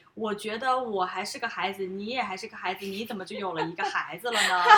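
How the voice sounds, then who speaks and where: A woman speaks at medium pitch. Noticeable background noise runs behind her. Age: 20s. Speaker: podcast guest. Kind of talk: casual chat.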